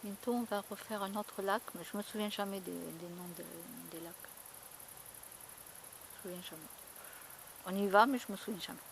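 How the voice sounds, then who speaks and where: A woman's voice: medium pitch, moderate pace, pauses often, noisy background. A woman vlogging in a casual, rambling chat, full of fillers and repeated words. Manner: chatty, rambling storytelling with many fillers and repeats.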